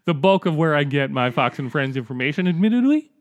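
A man co-hosting a podcast, making dry deadpan jokes in casual comedic chat. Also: fairly high pitch, fast talker, no echo, muffled recording. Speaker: podcast co-host.

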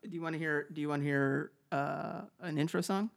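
A man's voice: on the high side, steady tone, fairly quick, gravelly. A man with a nasal voice co-hosting a podcast, rambling and repeating himself in casual comedic chat. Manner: rambling, stammers and repeats words. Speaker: podcast co-host.

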